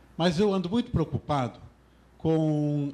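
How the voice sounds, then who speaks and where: Somewhat breathy, a man talks at a moderate pace. Behind him the background stays quiet. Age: 70s. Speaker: audience member, university professor. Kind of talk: audience question.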